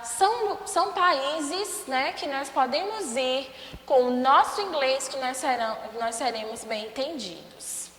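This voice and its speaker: A woman with a Brazilian Portuguese accent teaching an English class, slowly repeating each word and checking in with her students. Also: high-pitched, a bit bright, slight background noise. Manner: slow, repeats words for students, asks checking questions. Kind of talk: remote class lesson. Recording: echoey room with long reverb.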